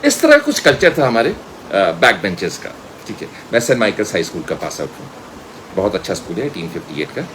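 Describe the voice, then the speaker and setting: Middle-aged man, Indian accent, informal teaching style, lively varied pitch, storyteller's delivery, English phrases mixed in, background hum. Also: brisk. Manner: animated storyteller, acts out dialogue, mixes in English phrases. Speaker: media school director and voice trainer. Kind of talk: informal lecture with personal anecdotes.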